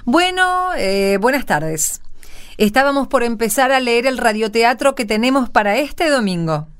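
A woman's voice: fairly high pitch, very animated, a little slow, clean tone, faint music behind. A woman casually introducing a program as its host.

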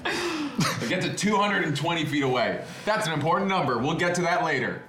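Male player, high animated voice, jokey and profane, roomy echo. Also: fairly quick, over music. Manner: joking, swears casually. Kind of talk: casual tabletop game chat. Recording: echoey room.

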